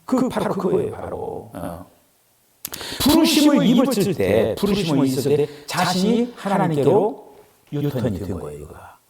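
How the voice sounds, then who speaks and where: Animated Korean preacher in echoey hall. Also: male voice, fairly high pitch, normal speed, vocal fry. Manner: animated, acts out quoted voices, swings between loud and murmured. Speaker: pastor. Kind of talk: sermon. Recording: echoey room from far off.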